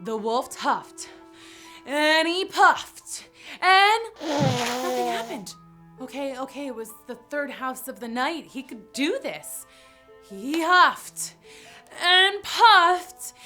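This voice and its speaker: A woman's voice: sits high, pushed and bright. A woman hosting children's story time, telling tales in a theatrical, exclamatory, playful way. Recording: music bed behind the voice.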